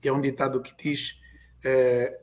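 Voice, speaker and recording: A man with an Angolan Portuguese accent, hosting a live online interview and asking his questions in a measured, deliberate way. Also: mid-range voice, level tone, darkish tone. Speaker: host.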